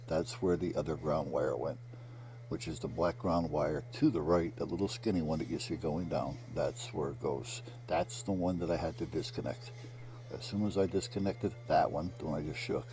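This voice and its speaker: A man's voice: deep voice, warm tone. A man giving a casual, rambling voice-over that explains a hands-on DIY repair step by step in a plain-spoken, matter-of-fact way. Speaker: hobbyist narrating a repair project.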